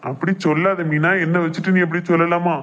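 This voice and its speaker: A man's voice: fairly high pitch, flat delivery, fast, a bit bright, highs cut off. A man with a voicing a soothing, pleading husband in a cartoon. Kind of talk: Tamil cartoon voice acting.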